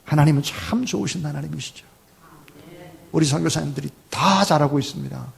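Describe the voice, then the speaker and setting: A middle-aged man preaching a sermon as pastor, dropping to soft asides and rising to loud emphatic lines. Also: fairly high pitch, a little fast, vocal fry.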